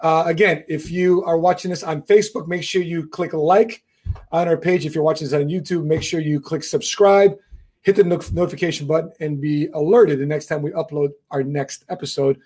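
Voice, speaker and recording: Husky energetic man hosting a show. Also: a little high, brisk. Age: 40s. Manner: energetic, friendly, hyped sign-offs. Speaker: show host. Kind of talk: casual hosting chat.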